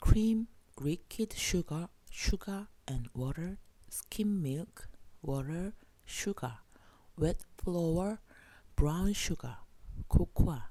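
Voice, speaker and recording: A woman whispers at a very slow pace. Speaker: diet YouTuber who runs a diet channel. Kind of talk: casual talk to camera, humorous ASMR parody. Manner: loud, failing to whisper, humorous.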